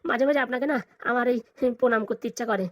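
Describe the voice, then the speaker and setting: A performer voicing a fawning, flattering lawyer sidekick in a comedy cartoon, eager and colloquial. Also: medium pitch, rapid-fire, lightly acted. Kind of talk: exaggerated cartoon comedy dialogue.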